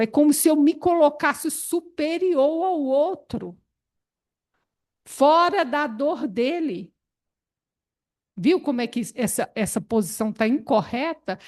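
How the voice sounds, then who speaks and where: A woman, leading a spiritist study group in an animated, expressive way. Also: high-pitched, a little slow. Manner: animated, expressive, laughs often. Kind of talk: spiritist Bible study talk.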